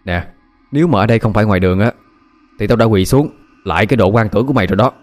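A man voicing an exasperated young man who scolds his best friend loudly. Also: fairly low pitch, quick pace, soft background music, natural voice.

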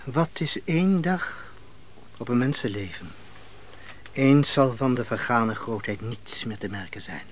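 A male actor plays a calm, philosophical man deferring to his lord in a radio play. His mid-range voice is grave, formal and measured, over a faintly noisy old recording. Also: mid-range voice, natural voice. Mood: grave, reflective. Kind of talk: theatrical Dutch radio play acting.

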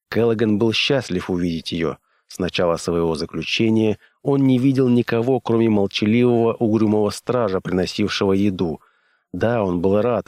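A man narrating a science-fiction audiobook in an even, measured reading. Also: lowish voice, no room sound, clean studio sound. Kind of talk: scripted narration.

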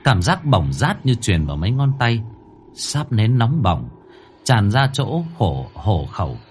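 A man's voice: on the low side, very animated, measured pace, a little hiss or hum. A man narrating a horror story in a dramatic, suspenseful manner. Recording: faint music bed under the voice.

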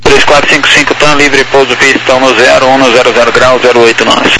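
A man's voice: medium pitch, little pitch movement, fairly quick, bright, forceful tone, rough recording. A man working as an airport tower controller, speaking in clipped, procedural phraseology over aviation radio. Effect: aviation radio transmission. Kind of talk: air traffic radio phraseology.

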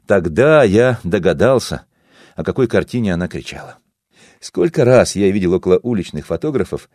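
Low, expressive male audiobook reader. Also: no echo, clean studio sound. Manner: measured, expressive reading. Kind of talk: scripted literary narration.

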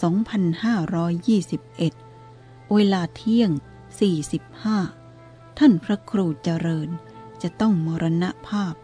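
A woman voicing a calm, teasing elderly male abbot who speaks in a steady, even tone. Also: medium pitch, measured pace, faint music behind, natural voice.

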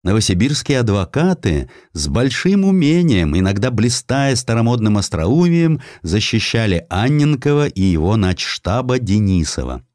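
A man narrates a historical essay as an audiobook. His voice sits low, and his delivery is measured and grave, like serious dramatic storytelling. The sound is dry, with very little room in it. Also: very animated, darkish tone, no echo.

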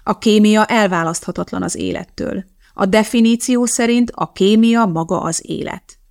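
A woman's voice: medium pitch, vocal fry, darkish tone, lightly acted. A woman reading the part of a precise, blunt woman chemist, lecturing in a matter-of-fact way.

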